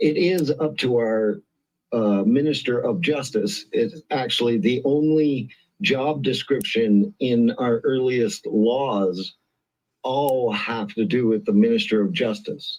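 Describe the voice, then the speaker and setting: A man of medium pitch talks at a very slow pace with very even loudness. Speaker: speaker in online audio room. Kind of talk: live audio room discussion. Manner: halting.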